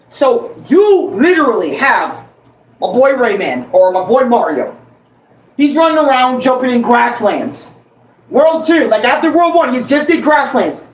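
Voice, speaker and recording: Loud, animated shouting at a fairly slow pace. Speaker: gaming youtuber. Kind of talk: casual video game commentary. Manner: loud, yelling.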